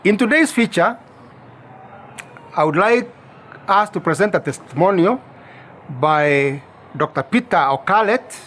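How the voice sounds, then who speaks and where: Man presenting formally, fairly high voice. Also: lively intonation, unhurried, pauses often, a bit bright, slight background noise. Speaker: presenter introducing a feature.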